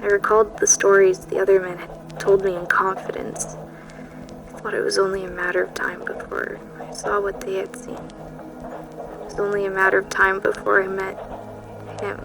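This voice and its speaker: An actress playing a haunted, sleepless woman, narrating a dramatic first-person account in a measured, hushed, ominous way. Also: mid-range voice, vocal fry, low-quality recording. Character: haunted, sleepless woman recounting an eerie night. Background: music.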